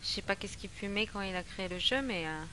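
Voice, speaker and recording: A young woman from France playing a horror game and commenting casually, chatty and excitable, swinging from shrieks to low mutters. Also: a little fast, a little hiss or hum. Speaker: gaming streamer. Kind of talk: casual let's-play commentary.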